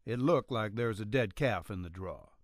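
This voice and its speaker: A man's voice: lowish voice, lively intonation, normal speed, dry recording, studio quality, natural voice. A man voicing a plain-spoken, tender young cowboy ranch hand in an audiobook. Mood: easygoing. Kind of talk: audiobook character dialogue.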